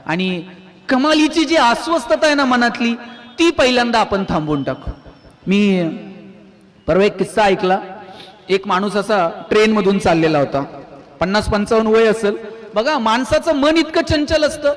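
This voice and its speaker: High-voiced man giving an animated motivational speech. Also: moderate pace, long reverb tail. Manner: animated storytelling with rhetorical questions. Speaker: motivational speaker.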